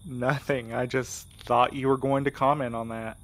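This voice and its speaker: A man acting in a fiction podcast as an earnest, gentle, anxious young courier, speaking sincerely and a little hesitantly. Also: medium pitch, flat delivery, normal speed, natural voice. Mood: focused.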